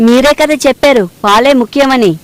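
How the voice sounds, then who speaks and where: Woman voicing an earnest, fast-talking young boy. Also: high-pitched, clean tone, no echo, lightly acted. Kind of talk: Telugu cartoon dubbing.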